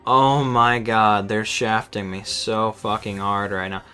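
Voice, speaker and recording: A man's voice: on the low side, level tone, slow pace, sharp tone. A man streaming a game with casual, exasperated, sweary running commentary, often stammering over repeated words. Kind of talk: casual live gameplay commentary. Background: game music.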